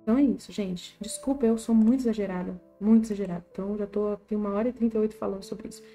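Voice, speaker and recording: A woman with a Brazilian Portuguese accent giving an informal religious lesson, lively and repetitive, acting out small scenes as she explains. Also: mid-range voice, racing, faint music behind. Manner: animated, repetitive, acts out little quoted scenes. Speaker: Catholic study group teacher.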